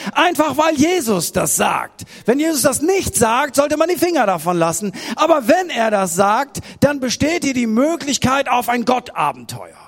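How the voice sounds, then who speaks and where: A pastor from Germany preaching a sermon, retelling a story with lively acted-out voices. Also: male voice, very high-pitched. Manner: animated storytelling, acting out the disciples' voices. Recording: hall with long reverb.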